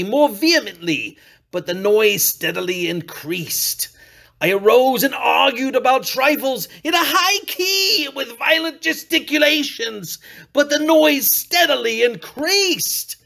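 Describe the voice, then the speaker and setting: Man doing a mad killer narrator, high-pitched, gravelly, theatrical, swooping from whispers to shrieks. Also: full character voice. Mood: frantic, unraveling. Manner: theatrical, swings from hushed purring to shrieking. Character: unhinged male murderer, gloating and paranoid, classic villain. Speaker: reader. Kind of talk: dramatic storytelling reading.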